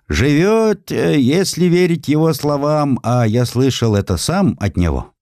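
A man voicing an earnest, hesitant village letter-writer in an audiobook, speaking in a halting manner. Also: fairly high pitch, darkish tone, dry recording, clean studio sound, voice pushed up.

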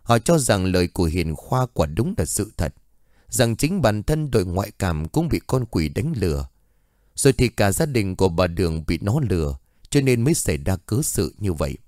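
A man narrating a story in an expressive way. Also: low-pitched, normal speed, dry recording, studio quality.

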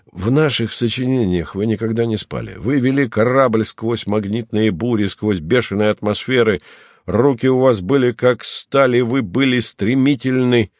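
A man's voice: medium pitch, normal speed, darkish tone, no room sound, voice pushed up, lightly acted. A man reading the part of a patient, matter-of-fact base commander with a dry irony, in an audiobook.

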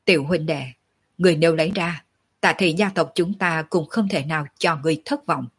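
Stern old clan patriarch, commanding, measured, low voice, very husky, read by a woman. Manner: measured, commanding, calls himself old man.

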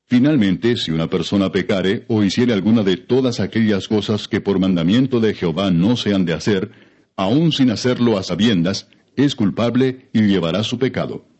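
Male Bible narrator, low register, solemn and measured formal read, slightly dull lo-fi sound. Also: darkish tone, husky. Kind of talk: solemn scripted scripture narration.

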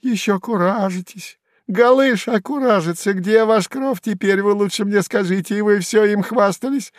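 A man voicing a shrill, mocking old hanger-on who chatters and cackles in a squeaky, sing-song voice. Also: moderate pace, no room sound, clean studio sound, lightly acted. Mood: jeering. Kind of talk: audiobook character voice.

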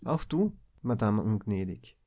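A man voicing a cheeky, blunt office clerk who talks in a slow, mocking way, in a storybook reading. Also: mid-range voice, sing-song. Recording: dull lo-fi recording.

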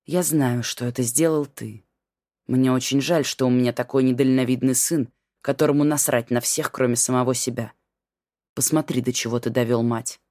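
A woman reading as a calm, stubborn middle-aged husband who speaks in a steady, tired and curt manner. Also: extremely low pitch, moderate pace, no echo, studio quality, voice pushed down. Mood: stern.

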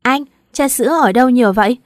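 A woman voicing a hurt, gentle young wife in a read-aloud story, sounding close and dry. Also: on the high side, quick pace, no room sound, close to an everyday voice. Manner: pleading, then confronting.

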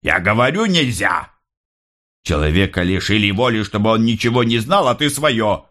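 A man voicing an indifferent prison guard who talks in a flat, grumbling way. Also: on the low side, moderate pace, voice pushed up.

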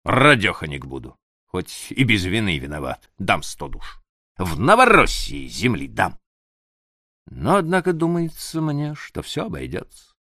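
Brief: a man playing a worried, pleading nobleman in a storybook reading, lively tone. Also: lowish voice, a little slow, no room sound, studio quality, exaggerated voice. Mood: musing.

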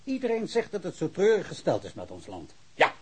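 A man's voice: a little high, huge pitch swings, brisk, husky, full character voice. A man acting an earnest, plain-spoken small-town policeman in a radio play, with a folksy manner. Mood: earnest pleading. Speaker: actor in a radio drama. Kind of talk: naturalistic radio play dialogue.

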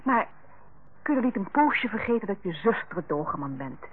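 Radio drama role: friendly housewife, coaxing and earnest, very animated intonation, husky, lo-fi vintage recording. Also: female voice, medium pitch, moderate pace. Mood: earnest, pleading. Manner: coaxing, earnest, hesitant when criticising. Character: friendly, tactful housewife, hostess to her sister-in-law. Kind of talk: old Dutch radio play acting. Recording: muffled, lo-fi old radio recording.

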